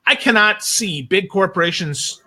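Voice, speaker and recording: A man's voice: high-pitched, moderate pace, sharp tone. A man giving blunt, emphatic opinions as a guest in a casual panel chat, often checking in with rhetorical questions. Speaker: guest panelist, sales trainer and marketer.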